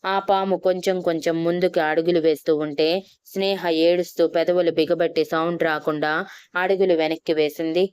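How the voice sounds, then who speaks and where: A woman storyteller reading a scripted love story in a steady, even way. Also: fairly low pitch, brisk, smooth, dry recording. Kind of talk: scripted narration.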